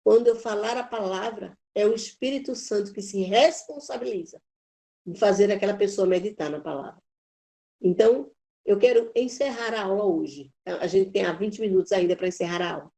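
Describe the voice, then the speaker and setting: A woman's voice: medium pitch, brisk, creaky, dark tone. A woman teaching a Bible institute class, telling a personal story in an emphatic, preacherly way with lots of repetition.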